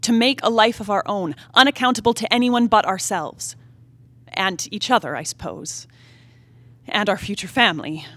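A woman acting a wilful, discontented young married woman in a period stage drama, in a reflective, halting, emotive soliloquy. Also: mid-range voice, a bit bright, no echo, natural voice. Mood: wistful, defensive. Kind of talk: theatrical play reading, period drama monologue. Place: theatre stage, live play reading.

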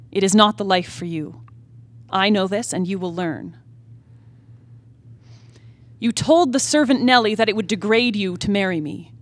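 A woman performing a brooding young married woman in a stage play reading, with formal literary diction and dramatic pauses. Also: medium pitch, lightly acted. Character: brooding young married woman haunted by her family's past. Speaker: actor. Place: theatre stage, live reading.

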